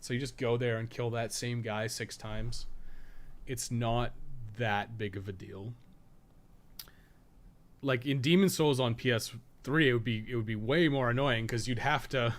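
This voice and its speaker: A man's voice: medium pitch, unhurried. A man chatting informally and rambling through a live gaming stream, with a fair bit of swearing. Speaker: podcast co-host, game streamer.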